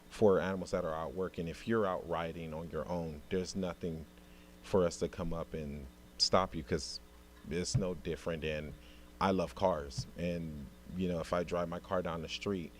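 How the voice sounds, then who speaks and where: A man with a low, deep voice explains a rule to a council in plain, patient terms, reaching for everyday examples. He speaks into a desk microphone in a council chamber, with a faint hum behind him. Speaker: city staff presenting an ordinance.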